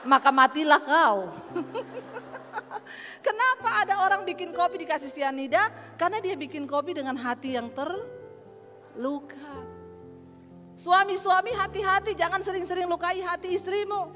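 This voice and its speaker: A woman's voice: extremely high pitch, moderate pace. A woman pastor preaching a sermon, telling stories with humor and acting out the dialogue. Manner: animated storyteller acting out dialogue, joking. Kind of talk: sermon with anecdotes. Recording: reverberant hall with music.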